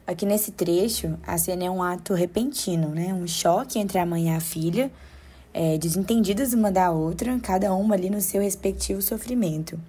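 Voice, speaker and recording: A woman giving measured, explanatory commentary as a podcast co-host, often tagging her points with questions. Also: lowish voice, mellow, breathy edge.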